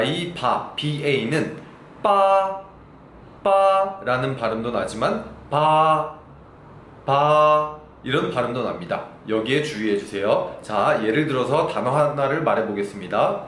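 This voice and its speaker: Man teaching slow, repeated pronunciation drills. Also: medium pitch, fairly bright tone. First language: Korean. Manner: slow, drawn-out repetition of sample syllables. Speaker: Chinese language teacher. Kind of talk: pronunciation lesson. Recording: echoey room with faint background noise.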